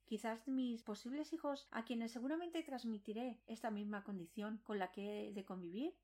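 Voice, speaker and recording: A woman's voice: on the high side, moderate pace, warm tone. A woman reading a scripted first-person supernatural horror story as a dramatic narration.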